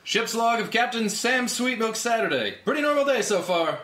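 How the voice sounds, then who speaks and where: Man as cocky high-voiced cartoon space captain. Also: very animated, moderate pace, pushed and bright, exaggerated voice. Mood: breezy, pompous. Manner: breezy, self-important. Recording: roomy table read, faint noise.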